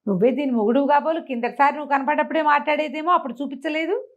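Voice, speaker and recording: An excitable old village mother in a folk tale, acted out by a woman. She is affectionate and fussing, with exclamations in a high voice. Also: rapid-fire, lo-fi sound, natural voice. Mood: astonished.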